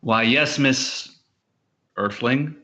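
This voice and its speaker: A man playing an earnest, pompous space hero stranded on Earth in an audio comedy drama, speaking gravely and formally. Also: mid-range voice, very slow, pushed and bright. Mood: puzzled, earnest.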